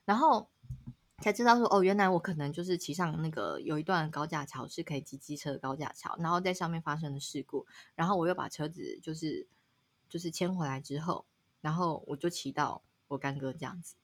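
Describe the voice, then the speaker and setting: A woman, a podcast co-host telling a story in casual chat, laughing often and leaping up in pitch at dramatic moments. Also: brisk.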